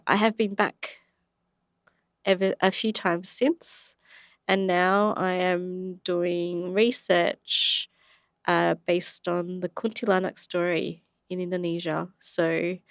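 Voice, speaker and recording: Low-voiced woman telling her story. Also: gravelly, dry recording, studio quality. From Australia. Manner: animated storytelling, frequent laughs and fillers. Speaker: guest, animator and researcher. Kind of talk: casual interview.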